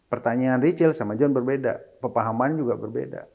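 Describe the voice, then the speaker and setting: Animated middle-aged man telling of fatherhood. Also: medium pitch, fairly quick, gravelly, slightly rough. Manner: mixes in English phrases, animated when quoting his kids. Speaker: interview guest, single father. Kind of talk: casual interview talk.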